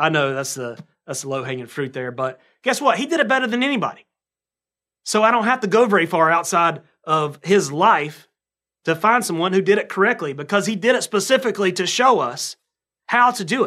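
A man with a Southern US accent uses a raised, projected voice that is high-pitched, bright and sharp, with very wide pitch swings. He talks at a fairly quick pace on a very clean recording with a silent background. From North Carolina. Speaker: pastor. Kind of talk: sermon. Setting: live stream from church.

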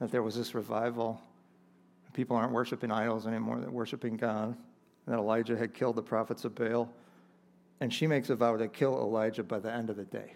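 A man's medium-pitched voice with vocal fry and monotone, flat intonation, at a very fast pace broken by long, frequent pauses, in a very clean recording with a silent background. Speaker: pastor. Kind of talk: sermon. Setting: church with congregation. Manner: conversational, occasional laughs.

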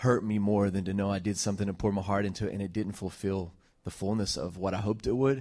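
At a very fast pace, a man speaks in a fairly low voice over a quiet background. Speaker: pastor. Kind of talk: sermon. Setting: church. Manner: fast talker.

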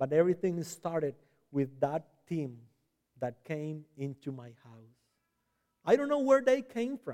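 Speaking with a Spanish accent at a fairly high pitch, a man talks fairly slowly in a dark, mellow tone, with very wide pitch swings, big swings in loudness and long, frequent pauses. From Costa Rica. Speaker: visiting missionary. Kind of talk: sermon. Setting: church.

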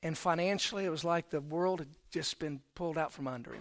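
High-pitched man with an American accent at a moderate pace, on a very clean recording with a silent background. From Florida. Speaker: traveling preacher. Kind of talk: sermon. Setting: church.

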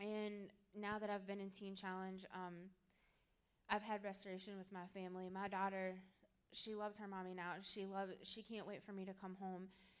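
A woman speaks with an American accent at a moderate pace. Her medium-pitched voice has monotone, flat intonation. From Harrisonburg, Virginia. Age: 20s. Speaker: recovery program student. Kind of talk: testimony. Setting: church stage with audience.

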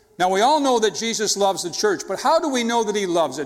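Noticeable background noise accompanies a high-pitched man whose intonation is lively. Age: 70s. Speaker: visiting pastor. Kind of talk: sermon. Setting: church.

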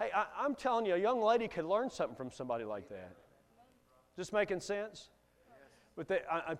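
The man's voice is high and his tone animated. He speaks at a very fast pace. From Kentucky. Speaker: guest preacher, pastor. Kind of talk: Baptist Sunday sermon, fervent exhortation to the congregation. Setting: church auditorium with congregation. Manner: animated, emphatic preacher cadence with rhetorical asides; rapid run-on delivery, banter-like direct address to the young.

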